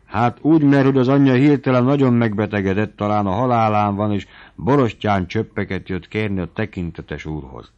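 Guy reading old servant past 80, deadpan low voice, dull lo-fi audio. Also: lightly acted. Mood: phlegmatic. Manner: flat, unbothered. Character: phlegmatic old male servant, past eighty.

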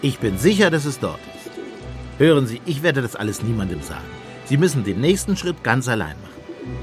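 An actor playing a shrewd, compassionate priest detective in a radio play, speaking in a measured, persuasive pastoral manner. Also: male voice, mid-range voice, very animated, over music, close to an everyday voice. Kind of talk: German radio play acting.

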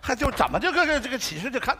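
A man's voice: very high voice, very animated, rapid-fire, pushed and bright, slightly rough. A man in a stage comedy sketch, sly and stammering, wheedling his way along. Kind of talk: northeastern comic sketch. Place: stage before a live audience. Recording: noisy stage recording.

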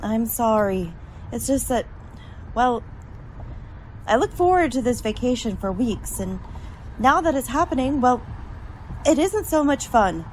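Woman acting a fretful college girl, higher voice. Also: expressive, a little slow, pauses often, a little mellow, a little hiss or hum, rough recording. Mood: weary, apologetic. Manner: fretful, wordy complaining. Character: Lona, tired, grumbling young female college student. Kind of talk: old-time radio drama acting.

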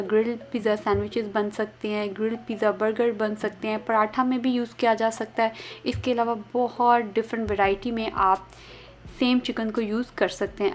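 A woman's voice: mid-range voice, a little hiss or hum. A woman hosting a cooking channel, talking viewers through a recipe in a chatty, explanatory voice-over.

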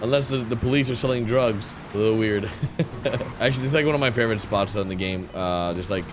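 A young American man giving animated, joking game commentary and roleplay as a police officer, close on a headset mic. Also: on the low side, fairly quick, noisy background. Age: young adult. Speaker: gaming streamer role-playing a police officer. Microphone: headset microphone, close.

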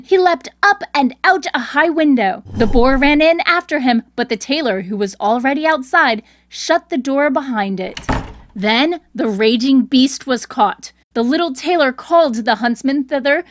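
A woman's voice: high voice, no echo, clean studio sound. A woman storyteller reading a scripted fairy tale narration.

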